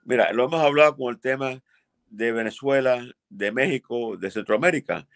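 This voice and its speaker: Gravelly and mid-range, the lawyer's voice moves at a moderate pace as he bluntly answers viewers over video from his home office with framed pictures on display. An older man, he repeats key points emphatically, and the recording is dry.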